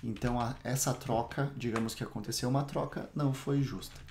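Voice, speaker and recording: A man's voice: mid-range voice, steady tone, a little fast, background noise. A man from Brazil teaching an English lesson, building phrases step by step and repeating words one at a time for the learner to repeat. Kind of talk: slow step-by-step language lesson.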